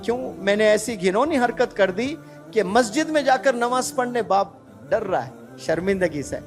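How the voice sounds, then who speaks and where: A man's voice: high-pitched, animated. A man speaking as a remorseful young daughter reflecting on her parents, with earnest self-reproach, over faint music.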